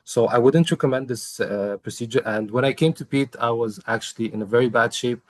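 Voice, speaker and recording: A young man from Egypt, a coaching client telling his story in an interview, earnest and measured, with many pauses and fillers. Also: medium pitch, no room sound. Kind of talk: testimonial interview.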